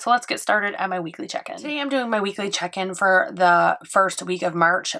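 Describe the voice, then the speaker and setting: The woman talks at a fairly quick pace with ordinary pitch variation. Noticeable background noise runs underneath. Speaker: budgeting vlogger. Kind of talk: casual tutorial vlog. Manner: fast.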